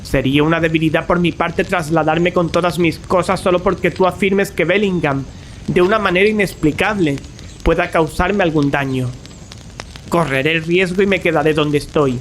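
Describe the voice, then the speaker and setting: Casting: male actor as stubborn young medical student, firm reasoning, slightly high voice, radio play over ambient noise. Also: moderate pace, natural voice. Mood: self-assured. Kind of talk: audio drama acting.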